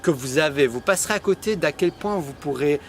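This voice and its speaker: A man giving an improvised, relaxed talk to camera, with frequent hesitations. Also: fairly high pitch, brisk, faint music behind. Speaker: personal development vlogger.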